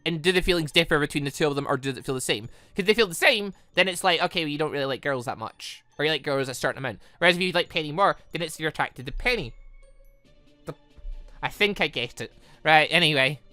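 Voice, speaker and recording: Woman, gaming host, lowish pitch, animated delivery, excitable, dry close sound. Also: fast talker, dry recording, soft background music. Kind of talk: let's play commentary with read-aloud dialogue.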